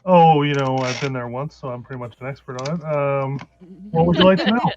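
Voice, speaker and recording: A man's voice: mid-range voice, fairly quick, dull audio, crowd noise. A man playing at a game table, joking in a dry, sarcastic way. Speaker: player.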